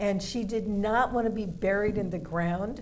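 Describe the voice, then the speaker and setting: In a room with audible echo, a woman speaks at a fairly slow pace with fairly even intonation. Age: 70s. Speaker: talk show host. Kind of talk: panel discussion. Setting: senior center event with live audience. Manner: halting, many fillers.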